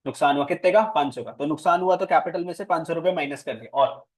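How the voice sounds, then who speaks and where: Brief: male commerce teacher, slightly high voice, playful, quizzes students. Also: quick pace. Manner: playful, teasing, questions students. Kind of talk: classroom lecture. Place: classroom.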